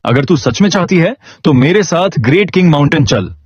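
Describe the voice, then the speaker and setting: A man's voice: fairly high pitch, lively intonation, moderate pace, breathy edge, dry recording, muffled recording, pitched above the performer's own voice. A man voicing a broke young farmer hero who jokes and gets flustered. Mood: jokey, flustered.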